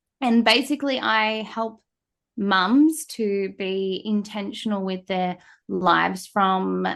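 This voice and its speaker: Against a quiet background, a woman with an Australian accent speaks at a very slow pace with ordinary pitch variation. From east coast of Australia. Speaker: podcast host and wellness coach. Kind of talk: podcast interview.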